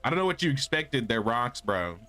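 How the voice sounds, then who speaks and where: A man streams a game with casual, slangy commentary. His voice sits at a medium pitch and his delivery is laid-back, with faint music behind him. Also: big pitch swings, brisk, pushed and bright. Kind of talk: casual livestream gaming commentary, reading quest dialogue aloud.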